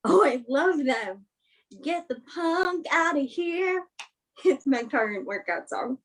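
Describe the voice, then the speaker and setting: A woman playing a sincere film actress in a staged play reading, speaking in an earnest, measured way. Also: sits high, lively intonation. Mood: friendly, casual. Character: Emma, sincere film actress woman, thoughtful, open-minded believer. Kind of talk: virtual staged play reading, naturalistic dialogue.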